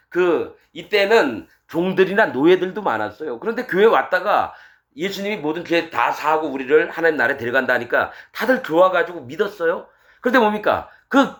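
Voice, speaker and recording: Animated male preacher, lively pitch. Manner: animated preaching that acts out masters and servants in quoted voices. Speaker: pastor. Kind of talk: sermon, verse-by-verse Bible exposition.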